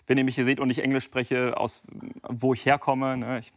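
A man's voice: mid-range voice, level tone, fairly quick. A man who works as a magician, chatting casually on a TV show and explaining a card trick step by step with self-deprecating humor. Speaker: magician guest.

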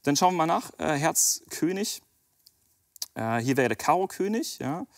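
A man's voice: a little high, very animated, normal speed, vocal fry. A man who works as a magician, chatting casually on a TV show and explaining a card trick step by step with self-deprecating humor. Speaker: magician guest.

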